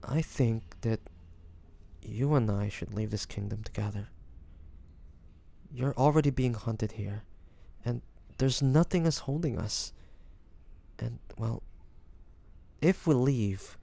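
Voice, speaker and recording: A man playing a devoted, anguished young man in an intimate fantasy romance audio drama, speaking haltingly and emotionally with pauses and sighs. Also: mid-range voice, creaky, warm tone. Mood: calm, earnest.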